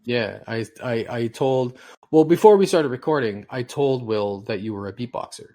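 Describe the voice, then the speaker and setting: A man's voice: medium pitch, expressive, moderate pace, mellow. A man in his forties hosts a laid-back podcast, talking in a voice that sits right in the middle of the range. He rambles through long personal stories, looping back and repeating himself as he goes. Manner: rambling storyteller. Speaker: podcast host. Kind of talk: casual chat.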